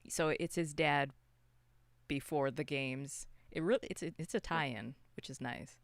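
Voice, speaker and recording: Podcast co-host, smooth clear voice, close dry sound, mid-range pitch, loose rambling film chat. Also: measured pace, no room sound. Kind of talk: casual unscripted film discussion.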